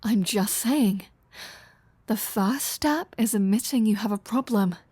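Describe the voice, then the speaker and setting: A woman's voice: medium pitch, a little slow, warm tone, slightly rough, no echo. A flirty female vampire, played by a woman in an audio roleplay, speaks at a leisurely pace in a mid-range voice. She is sardonic and playful, needling the listener with dry teasing. The sound is very dry, with no room around it.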